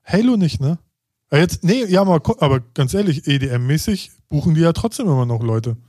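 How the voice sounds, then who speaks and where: A man's voice: a little high, animated, fairly quick, mellow, dry recording, clean studio sound. A man chatting casually as a podcast co-host, slangy, with short reactions. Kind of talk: casual chat.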